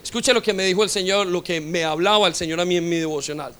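High, bright-voiced impassioned male preacher. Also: fast, smooth. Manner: impassioned preaching with rhetorical questions. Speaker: pastor. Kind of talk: sermon.

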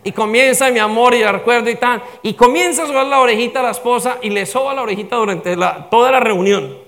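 A pastor preaching a sermon, firing rhetorical questions at the congregation and calling for amens. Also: male voice, extremely high pitch, quick pace, a bit bright.

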